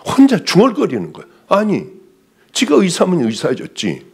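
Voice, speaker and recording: A male pastor preaching a sermon, telling a personal testimony with animated storytelling and acted-out dialogue. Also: high voice, moderate pace, gravelly, breathy edge.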